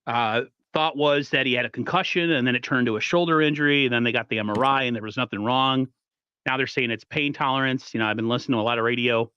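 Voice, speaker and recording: Guy hosting a sports podcast, bright forceful voice, dry dull-sounding mic, rambles a lot. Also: mid-range voice, fast talker, smooth, no room sound. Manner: animated, rambling with restarts. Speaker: podcast host. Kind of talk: casual sports talk.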